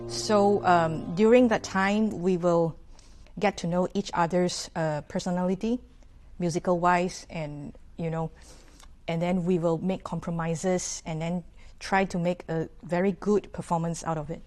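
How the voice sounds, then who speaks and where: Low-voiced woman musician. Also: measured pace. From Malaysia. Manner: relaxed, thoughtful, with frequent fillers and restarts. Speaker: orchestra horn player, guest. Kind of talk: casual interview answers.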